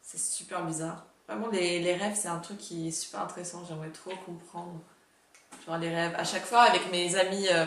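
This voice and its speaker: A woman's voice: fairly low pitch, reverberant, recorded from a distance, a little hiss or hum. A nineteen-year-old woman chatting casually and self-mockingly at a home desk, reacting to her old videos through an earphone mic. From Russia and Canada. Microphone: earphone headset mic.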